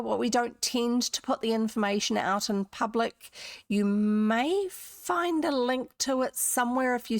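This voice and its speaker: Speaking with a New Zealand accent, a woman on a livestream chats and rambles to viewers, often interrupting herself with asides; she's a host who reads old books aloud. Her voice leans high, recorded dry at studio quality.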